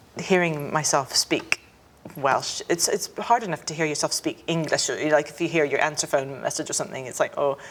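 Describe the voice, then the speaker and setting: A woman with an ordinary speaking voice talks at a moderate pace, her fairly low pitch rising and falling by an ordinary amount. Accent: American. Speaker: Welsh learner, mother of seven. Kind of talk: interview.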